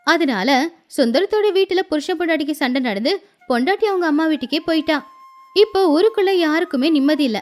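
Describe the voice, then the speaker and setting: Female bedtime-story narrator. High voice, expressive scripted read over a music bed.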